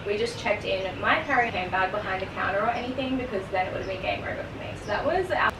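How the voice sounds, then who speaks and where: A young woman in her twenties chatting casually with a friend on a balcony, giggly and animated as she tells a story. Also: medium pitch, fast, reverberant, distant mic, noisy background. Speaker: friend on the trip. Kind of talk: casual chat. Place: hotel balcony.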